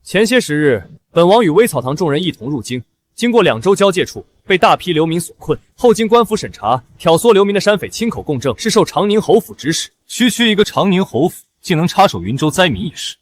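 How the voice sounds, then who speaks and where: Regal prince regent: pointed, commanding costume drama delivery, varied intonation. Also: male voice, high voice, sing-song, brisk, a little hiss or hum. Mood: cool, challenging. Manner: stately, pointed questioning. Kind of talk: costume short drama acting.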